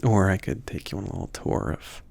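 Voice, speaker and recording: A man playing a laid-back, obliging mage shopkeeper in a soft, intimate ASMR roleplay, hesitant and rambling, husky and often near a whisper. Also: low-pitched, animated, brisk, exaggerated voice. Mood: easygoing, reassuring. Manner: hesitant, rambling, trailing off with small chuckles.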